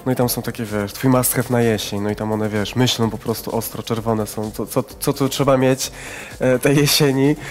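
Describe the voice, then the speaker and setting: Noticeable background noise runs under a man talking at a fairly quick pace. His medium pitch carries fairly even intonation. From Poland, Masuria. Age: 20s. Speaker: journalist and blogger. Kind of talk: casual chat.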